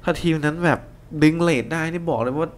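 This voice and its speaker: A young man giving casual, excitable gameplay commentary and teasing his co-player. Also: on the high side, fairly quick. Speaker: game commentator. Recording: faint background noise.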